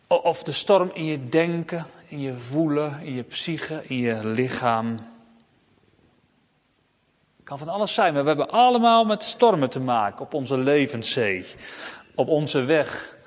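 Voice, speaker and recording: A man preaching a sermon as pastor, speaking in a lively way and turning directly to the children. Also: on the high side, long reverb tail.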